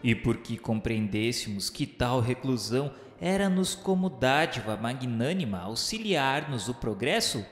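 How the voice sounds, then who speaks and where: A man reading solemn, devout literary narration for a religious radio drama, in a measured, declamatory way. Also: medium pitch, very animated. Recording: echoey hall-like reverb with music. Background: music.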